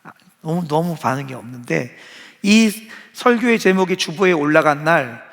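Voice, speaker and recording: A man's voice: a little high, lively intonation, moderate pace, vocal fry, fairly bright tone. A man preaching a sermon as a pastor, speaking conversationally and putting questions to his listeners. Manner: conversational, asks the audience questions. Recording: long church-hall reverb.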